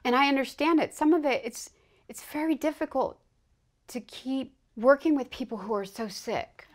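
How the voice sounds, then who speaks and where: A woman's voice: high-pitched, lively intonation, normal speed. A woman hosting an interview, speaking earnestly and agreeing with emphasis. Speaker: host. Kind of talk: conversational interview.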